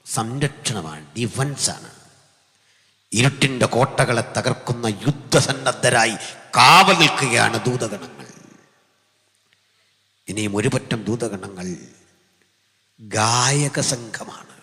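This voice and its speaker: Through an amplified stage microphone, a medium-pitched male pastor delivers a live sermon to a seated congregation, swinging between loud proclamations and quiet, joking asides. He's in a large hall with a seated audience, and the live PA leaves a long reverb trailing through the space.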